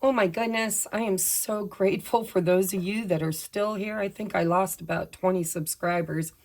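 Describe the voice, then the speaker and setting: A woman, slightly hoarse while her voice recovers, chatting casually and apologetically through a pick-a-pile tarot reading. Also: medium pitch, fairly even intonation, moderate pace, a little mellow. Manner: chatty, apologetic, tells personal updates while shuffling. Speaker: tarot reader.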